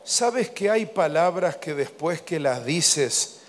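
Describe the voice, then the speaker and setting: A man preaching a sermon, telling stories and moving between hushed lines and loud exclamations. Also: on the high side, expressive, takes it slowly. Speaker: guest preacher. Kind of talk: sermon in Spanish with interpreter. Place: church sanctuary. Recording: hall reverb in a church.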